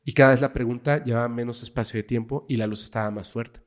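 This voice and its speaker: A man with a Mexican Spanish accent, a guest on a casual podcast interview, telling a story dramatically and dropping to a hush at tense moments. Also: mid-range voice, steady tone, quick pace. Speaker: guest, paranormal investigator.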